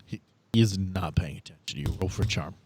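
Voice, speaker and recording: A man acting as game master, narrating casually with deliberate, halting phrasing. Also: low-pitched, a little mellow, slightly rough, dry recording. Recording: music behind.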